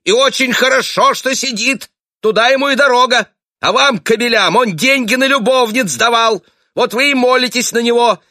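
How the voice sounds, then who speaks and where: A shrieking, furious housewife. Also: male voice, extremely high pitch, normal speed, pushed and bright, no echo, clean studio sound, pitched above the performer's own voice. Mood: bitter, accusing. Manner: screeching, accusing, relentless. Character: shrill furious adult wife shrieking at husband. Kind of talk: audiobook character voice.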